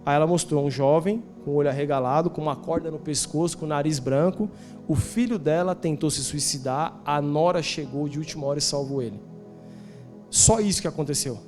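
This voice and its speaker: In a church, with soft music playing behind him, a pastor in his forties preaches in a Brazilian Portuguese accent. His voice is on the high side, a bit mellow and fairly quick, and he tells his sermon like a conversational story full of rhetorical questions and slangy asides.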